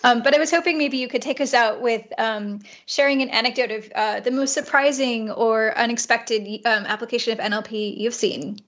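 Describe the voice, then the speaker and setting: A woman's voice: fairly high pitch, steady tone, moderate pace, few pauses, a bit bright. A woman hosting a radio interview, friendly and a little apologetic as she wraps up. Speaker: radio host. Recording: muffled lo-fi audio.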